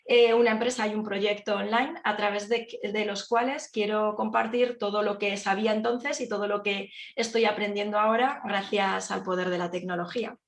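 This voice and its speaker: A woman's voice: medium pitch, steady tone, normal speed, hardly any pauses. A woman speaking as a panel guest, presenting her projects in an earnest, rhetorical way. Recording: echoey room.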